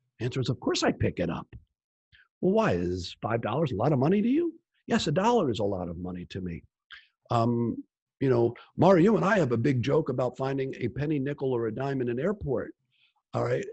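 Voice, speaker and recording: Over music in the background, a man with medium pitch talks at a very fast pace with very wide pitch swings. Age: 60s. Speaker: practice management consultant. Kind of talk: podcast interview. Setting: recorded on video for podcast.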